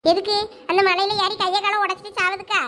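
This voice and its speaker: A woman's voice: very high-pitched, level tone, bright, forceful tone. A woman voicing a nosy, teasing young village woman in a cartoon, with a Thoothukudi Tamil accent. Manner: nosy, fast-talking, teasing. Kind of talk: cartoon voice acting.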